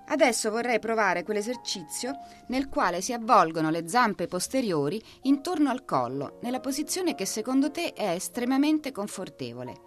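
A woman voicing a slow, stubborn female turtle who speaks in a firm, measured way in a storybook reading. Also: a little high, very animated, soft background music, voice pushed up. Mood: sly, encouraging.

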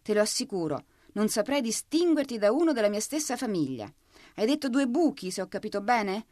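A woman's voice: a little high, very animated, fairly quick, a little mellow, voice pushed up. A woman voicing an eager, chatty young male hedgehog in a storybook reading.

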